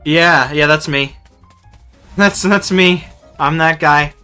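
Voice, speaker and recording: A man livestreams a video game, chatting in a playful, rambling way and often repeating himself, with faint game music behind him. His voice is a little high, bright, forceful, clear and resonant, and he takes his time.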